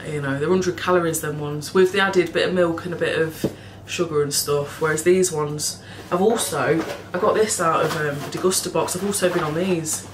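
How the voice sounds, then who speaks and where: A woman, a bit hoarse, chatting casually and rambling to camera in her kitchen, swearing and laughing now and then. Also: sits low, fairly even intonation, moderate pace, few pauses. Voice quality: a bit hoarse, froggy throat. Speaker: cleaning vlogger. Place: home kitchen, indoors. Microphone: camera in front of her at table height. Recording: echoey kitchen with background noise.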